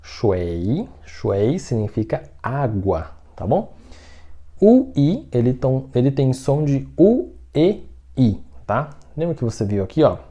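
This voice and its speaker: Man, language teacher, slow unhurried delivery, mellow tone, lively rising and falling pitch, patient, repeats words. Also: slightly rough, dull audio. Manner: patient, repeats each word, frequent check-ins. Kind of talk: online language lesson.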